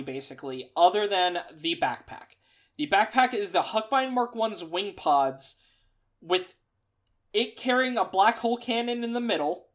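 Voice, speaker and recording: A woman co-host talking casually and at length, with many fillers. Her voice sits at an ordinary pitch. She rambles and gets exasperated now and then. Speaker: podcast co-host. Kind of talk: casual chat about mecha designs.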